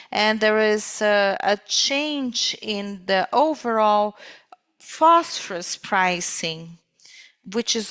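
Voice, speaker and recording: A woman interpreting live on a corporate call, speaking in halting phrases with pauses mid-sentence. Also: mid-range voice, fairly bright tone.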